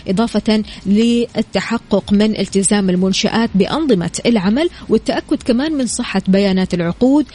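A woman's voice: medium pitch, mellow, breathy edge. A woman with a Saudi accent hosting a live morning radio show, chatty and speaking straight to her listeners. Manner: chatty, addresses listeners directly. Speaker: radio host.

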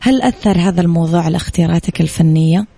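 A woman's voice: on the low side, rapid-fire, gravelly, mellow, breathy edge. A woman asking questions as an interviewer in a conversational style.

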